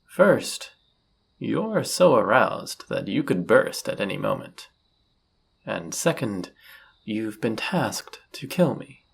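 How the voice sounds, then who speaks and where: Low, slow, husky demon seducer, male actor, smug and dangerous, teasing murmurs for romantic audio drama. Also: big pitch swings, full character voice. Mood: mocking, impressed. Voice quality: husky, gravelly. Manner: smooth-talking, teasing, theatrical, often breathy and murmured. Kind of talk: flirty audio roleplay acting.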